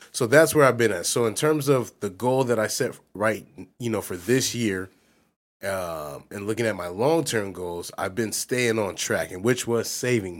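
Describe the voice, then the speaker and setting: A man speaks in an unremarkable speaking voice with an American accent, at medium pitch and a moderate pace. His intonation is lively and his loudness swings widely, on a very clean recording with a silent background. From US West Coast, San Diego. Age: 20s. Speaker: podcast co-host. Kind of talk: casual chat.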